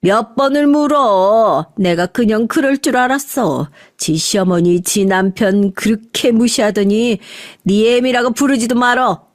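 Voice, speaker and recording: A woman's voice: a little high, a little slow, no room sound, studio quality, close to an everyday voice. A woman voicing a bitter, scornful old grandmother who scolds and curses in an audio story drama. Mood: scornful scolding. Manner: scolding, cursing.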